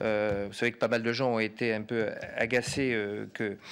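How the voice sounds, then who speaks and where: Speaking at a medium pitch and a fairly slow pace, a man delivers his words in a monotone, flat intonation against a quiet background. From Dauphiné, southeastern France. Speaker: member of parliament. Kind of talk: committee hearing question. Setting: parliamentary committee room. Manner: halting, many repetitions and hesitations.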